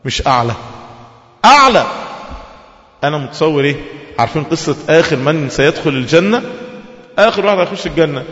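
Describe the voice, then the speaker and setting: A man with an Egyptian accent giving a colloquial religious lesson, animated and putting rhetorical questions to his listeners, recorded in a hall with a dull, lo-fi sound. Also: fairly high pitch, racing. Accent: Egyptian Arabic. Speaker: preacher.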